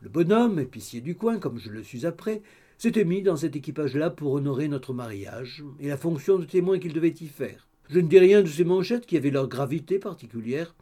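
A man narrates a classic novel for an audiobook, measured and steady. His voice is mellow and warm, pitched somewhat high for a man. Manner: measured, storytelling.

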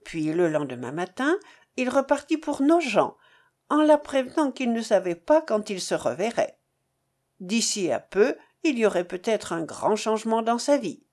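Slow, lively woman narrator. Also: mid-range voice. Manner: expressive, measured reading. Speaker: audiobook narrator. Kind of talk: scripted narration of a novel.

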